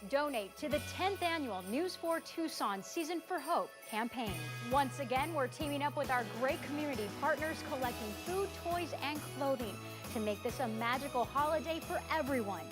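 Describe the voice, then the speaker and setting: High-voiced American woman news anchor. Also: animated, moderate pace, hardly any pauses, music in the background. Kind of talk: polished news presenting.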